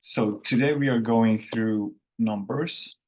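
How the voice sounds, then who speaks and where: A native Finnish-speaking man hosts a casual online language lesson, rambling unhurriedly and correcting himself along the way. His voice is lowish and darkish, and the recording is rough.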